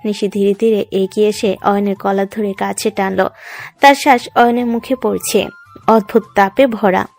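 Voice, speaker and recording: A woman's voice: mid-range voice, steady tone, normal speed, darkish tone, soft background music. A woman reading scripted narration for a romance story in a dramatic, descriptive way.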